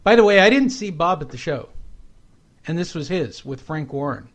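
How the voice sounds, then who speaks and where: A man's voice: a little high, animated, normal speed. A man hosting a casual podcast chat who rambles and cracks jokes. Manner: rambling, wisecracking. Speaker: podcast host.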